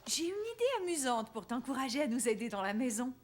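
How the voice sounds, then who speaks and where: A woman voicing a patient, encouraging mother in a children's cartoon, speaking gently to a small child. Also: a little high, sing-song, fast talker. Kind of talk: children's cartoon dub acting.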